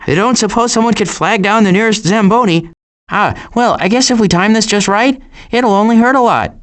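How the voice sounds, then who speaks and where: A man voicing a sardonic, glib animal adventurer in an animated video game, with dry sarcasm and deadpan asides. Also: sits high, moderate pace.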